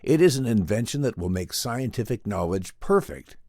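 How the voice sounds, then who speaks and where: A man acts out a visionary scientist professor from an old science fiction tale. He speaks formally and portentously, in a lively, swinging male voice. He is grandly serious and deliberate, recorded dry and close. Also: on the low side, dry recording, pitched above the performer's own voice. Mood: grand, proud.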